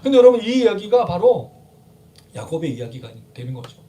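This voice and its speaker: A male pastor preaches in a church with a high voice, heard from a bit away from the mic. He keeps asking the congregation questions and slips into little acted-out prayers and scoldings. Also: sing-song, fairly quick, dark tone, recorded from a distance, dull audio. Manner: conversational preaching with rhetorical questions; acts out quoted prayers and scoldings. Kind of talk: sermon. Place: church sanctuary.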